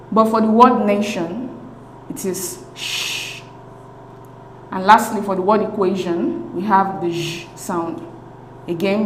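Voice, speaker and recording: A woman teaching an exam-prep lesson at a middling pitch. She reads each question aloud and explains the answers in a steady, methodical way. Her voice rings in an echoey room with a faint hum behind it. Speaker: teacher and channel host.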